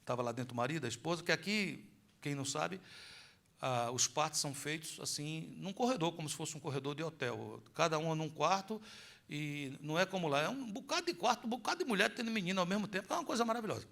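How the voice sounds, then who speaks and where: Animated pastor with gravelly highs. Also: male voice, fast. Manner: animated preaching, quizzing the congregation with rhetorical questions, storytelling. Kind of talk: sermon.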